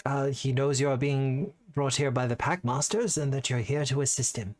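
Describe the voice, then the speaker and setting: A man's voice: medium pitch, fairly even intonation, moderate pace, darkish tone. Man casually running a tabletop game. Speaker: game master.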